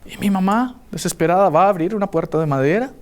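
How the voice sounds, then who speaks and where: A man from Colombia preaching a sermon, telling a childhood story with lively acted-out voices. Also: high voice, quick pace. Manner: animated storyteller acting out voices.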